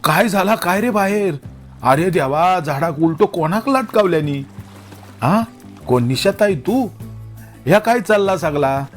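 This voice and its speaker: A man voicing a flustered middle-aged village aunt who speaks with a Malvani accent and scolds in a shrill, alarmed way. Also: lively intonation, normal speed, faint music behind, close to an everyday voice. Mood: startled.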